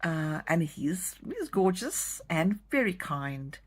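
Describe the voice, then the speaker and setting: Low, husky woman with a South African accent. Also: big pitch swings, slow. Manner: chatty, warm storytelling of a plot summary. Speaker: romance author. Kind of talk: pitching her new book to camera.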